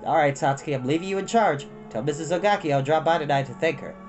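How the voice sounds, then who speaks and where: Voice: medium pitch, fast talker, faint music behind, natural voice. A storyteller voicing an easygoing, kindly father in a children's story. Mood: hurried, fond. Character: easygoing, kindly father of two young girls.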